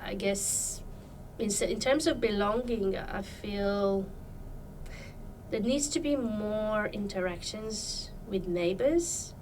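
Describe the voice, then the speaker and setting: Woman from Iran, slow unhurried talk, hesitant fillers, slightly distant mic, faint noise. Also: mid-range voice, a little mellow. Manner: thoughtful, hesitant, many fillers. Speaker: guest. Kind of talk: casual interview chat.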